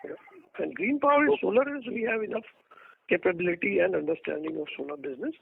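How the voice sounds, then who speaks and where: A man's voice: high voice, quick pace, gravelly. A man with an Indian accent, a company executive explaining plans on an earnings call over a noisy phone line. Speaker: company executive answering questions.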